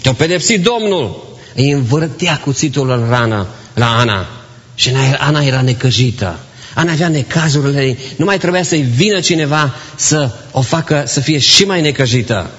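A man's voice: medium pitch, fairly bright tone, long reverb tail, lo-fi sound. A man preaching a sermon to his congregation, asking rhetorical questions and dropping English phrases into his talk. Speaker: pastor. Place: church.

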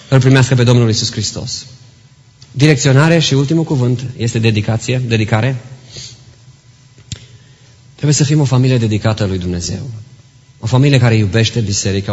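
A man's voice: mid-range voice, a little mellow, highs cut off. A man preaching an earnest sermon to a congregation in a church, exhorting and telling stories. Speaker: pastor. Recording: long reverb in church hall.

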